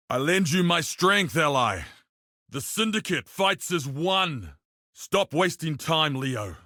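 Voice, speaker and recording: Casting: proud tribal warrior for a video game, solemn and fierce, mid-pitched, slow and measured, close dry sound. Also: male voice, pushed and bright, dry recording, exaggerated voice. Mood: proud, resolute, then stern, solemn. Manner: solemn, declamatory, measured delivery. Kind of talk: video game character voice lines.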